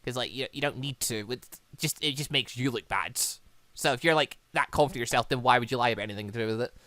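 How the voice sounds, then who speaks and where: A man's voice: medium pitch, fast, bright, forceful tone, no echo. A man giving casual, rambling let's-play commentary on a visual novel, chatting and reading dialogue aloud as the channel's host.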